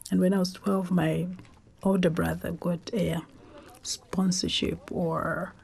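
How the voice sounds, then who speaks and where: A Zambian woman whose first language is Tonga, telling her life story in a reflective, unhurried way with pauses and restarts. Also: fairly low pitch, flat delivery, vocal fry, darkish tone, slightly rough. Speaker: documentary interviewee.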